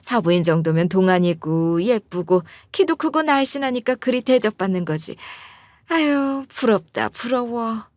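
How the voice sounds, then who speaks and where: Woman doing a brash, loud older mother-in-law. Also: on the high side, lively intonation, unhurried, no echo. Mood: fawning. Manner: shrieking and loud, then fawning.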